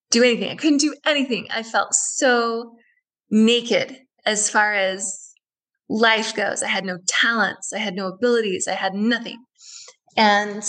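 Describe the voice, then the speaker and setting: A woman's voice: mid-range voice, fairly bright tone, low-quality recording. Woman guest on a radio show, earnest and reflective, keeps repeating herself as she tells her story. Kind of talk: personal storytelling in a radio interview.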